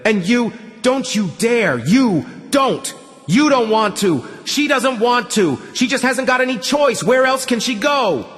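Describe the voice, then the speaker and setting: A man voicing a coarse, mocking brothel thug who speaks loudly and sneers. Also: very high-pitched, lively intonation, a little slow, big-room sound, faint music behind, pitched above the performer's own voice, exaggerated voice. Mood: sneering.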